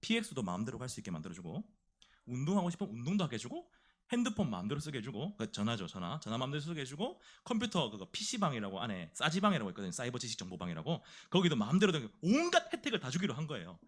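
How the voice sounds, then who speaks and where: A man preaching a sermon in a church, telling a story with lively energy and putting questions to the congregation. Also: medium pitch, racing.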